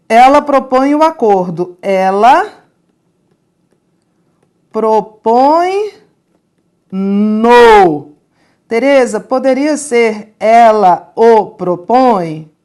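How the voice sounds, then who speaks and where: Woman, grammar teacher, slow, slightly high voice, asks and answers her own questions. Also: darkish tone. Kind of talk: recorded grammar lesson.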